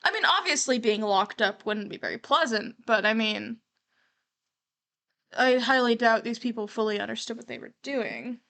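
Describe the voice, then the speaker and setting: Casting: female livestreamer, fairly high voice, candid and casual, thinks aloud while reacting. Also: normal speed, gravelly, fairly bright tone. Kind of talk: casual reaction commentary on a horror series.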